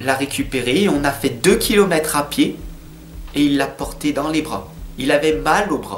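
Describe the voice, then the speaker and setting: Music plays in the background as a man speaks at a fairly slow pace. His pitch is fairly high, with ordinary pitch variation. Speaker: tarot reader and spiritual youtuber. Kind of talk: personal vlog monologue. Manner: unscripted, with false starts.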